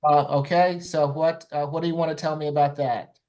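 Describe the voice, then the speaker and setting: A man's voice: a little high, little pitch movement, fairly quick, darkish tone. A man speaking as a judge in a formal court hearing, politely procedural as he directs the people before him.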